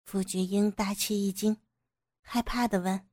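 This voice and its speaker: A woman narrating an audio story in a steady, even storytelling manner. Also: mid-range voice, a little slow.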